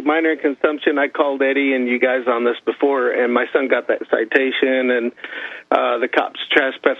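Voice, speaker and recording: A man's voice: medium pitch, no echo. A man calling in to a talk show, telling a long story with laughs and quoted exchanges. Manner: rambling anecdote with laughs and quoted dialogue. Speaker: caller. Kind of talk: phone-in storytelling. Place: calling in from Texas. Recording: tinny dry phone line.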